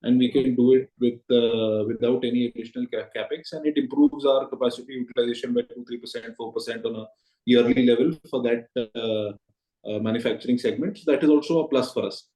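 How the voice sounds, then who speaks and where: A man with an Indian accent answering as a company executive on an earnings call, explaining things in a measured, hesitant way. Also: mid-range voice, steady tone, warm tone. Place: conference call. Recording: roomy echoing conference call audio.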